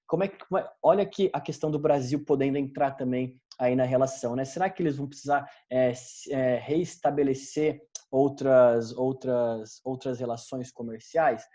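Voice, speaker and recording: A man with a Brazilian accent lectures a class in a warm, mellow voice at a middle pitch. He talks conversationally, with plenty of fillers and quick self-corrections, and keeps turning to his students with direct questions. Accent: Brazilian Portuguese. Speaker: teacher.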